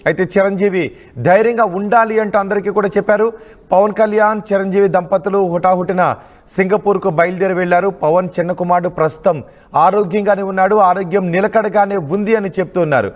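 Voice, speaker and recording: High-pitched Telugu newsman in reverberant sound. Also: fairly even intonation, fairly quick. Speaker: news presenter. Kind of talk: scripted news narration.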